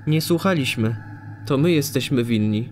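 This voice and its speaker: A man voicing a grim, coldly resolute young man in a cartoon horror fan dub, solemn and deliberate. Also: mid-range voice, lively intonation, a little mellow, a little hiss or hum, lightly acted.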